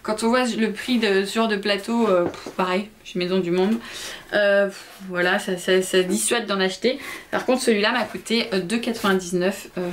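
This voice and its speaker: A young woman chats casually at home, hesitant and full of fillers. Her pitch sits in a middle range. Faint background noise runs under the voice. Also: fairly even intonation, moderate pace. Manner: chatty, hesitant, many fillers. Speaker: vlogger. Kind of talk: casual haul video chat.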